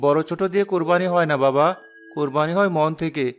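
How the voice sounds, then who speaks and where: A man as a gentle, humble poor father. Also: fairly high pitch, fast, natural voice. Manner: calm, gentle, reassuring. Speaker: day laborer father. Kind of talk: cartoon voice acting.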